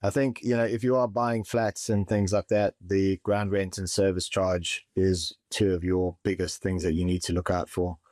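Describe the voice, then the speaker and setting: A man with a very deep voice, answering interview questions as a property and mortgage advisor. He speaks steadily and often repeats a word as he restarts. The recording is dry and close. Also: little pitch movement, darkish tone, dry recording. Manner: measured, stumbles and repeats words.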